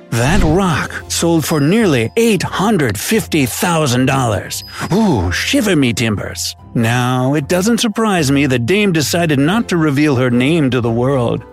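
A man putting on a jolly old pirate narrator. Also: fairly high pitch. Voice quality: pirate slang, theatrical drawl. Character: old male pirate storyteller, boastful and greedy. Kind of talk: scripted narration.

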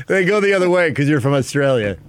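A man's voice: on the high side, a bit bright. A male radio co-host interviewing a guest, teasing and laughing easily.

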